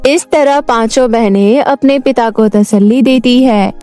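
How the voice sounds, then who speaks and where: A woman with a high voice narrates a children's story from a script. Music plays behind her storytelling. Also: a little slow, warm tone.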